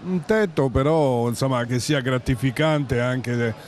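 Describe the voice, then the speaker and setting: A man's voice: mid-range voice, unhurried, a little mellow, a little hiss or hum. A man in his sixties answering a street interview hesitantly, drawing out his words. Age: 60s. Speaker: interviewed passer-by. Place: outdoors on a city street. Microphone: handheld interview microphone.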